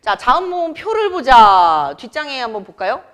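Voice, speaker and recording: Working through a lesson in a classroom, a young woman who teaches Korean at an academy in Seoul keeps up a moderate pace. Her somewhat high, highly expressive voice rises and falls as she chats, jokes with students and tests them with questions.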